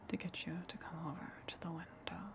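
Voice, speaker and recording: Woman acting as a tentacled sea monster, female, low-pitched, creaky, breathy whisper, coaxing, soothing, ASMR roleplay. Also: little pitch movement. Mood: reassuring, luring. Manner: slow, coaxing, soothing, with long pauses.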